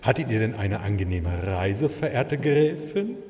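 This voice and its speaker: A man's voice: on the low side, sing-song, measured pace, warm tone. A man playing a gracious, delighted maharaja with flowery courtesy in a fairy-tale audio drama. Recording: long hall reverb.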